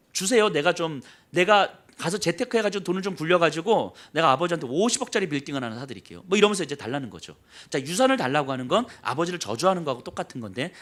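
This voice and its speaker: A man preaching a sermon as pastor, telling a story with acted-out quotes and dropping to soft, low emphasis.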